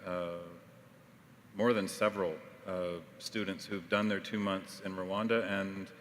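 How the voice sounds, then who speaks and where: Lowish man speaking in a hall. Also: little pitch movement, a bit bright. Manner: measured, with frequent uh fillers. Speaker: panelist, journalism educator. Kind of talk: panel discussion. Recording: reverberant hall, faint noise.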